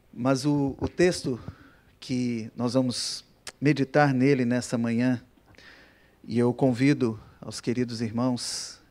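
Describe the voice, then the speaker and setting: The speech is very slow, with fairly even intonation and long, frequent pauses. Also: man, medium pitch for a man. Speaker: guest preacher. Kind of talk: sermon. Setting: church.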